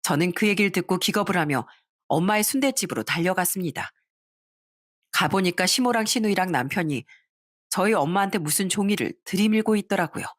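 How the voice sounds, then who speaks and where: A woman's voice: fairly low pitch, fairly quick, no echo, studio quality. Woman narrating a dramatic story. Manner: dramatic, indignant retelling.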